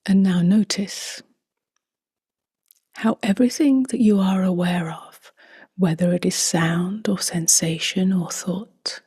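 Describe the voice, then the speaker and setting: A woman speaking softly and gently in a near-whisper as she guides a meditation, unhurried, with long pauses. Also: fairly low pitch, steady tone. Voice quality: soft, breathy, near-whispered. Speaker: meditation teacher.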